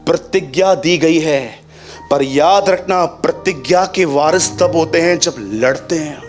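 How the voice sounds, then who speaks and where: A man preaching a sermon as pastor. He keeps asking the congregation rhetorical questions, mixes English phrases into his speech and swings between a raised voice and a low one. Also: unhurried, faint music behind.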